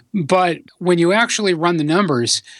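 A man talks in a normal speaking voice. His pace is fairly slow, with ordinary pitch variation. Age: 40s. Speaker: tech journalist. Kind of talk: casual chat.

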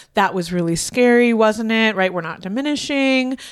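In a normal speaking voice, a woman talks at a fairly quick pace with ordinary pitch variation. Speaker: parenting podcast host. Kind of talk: casual chat.

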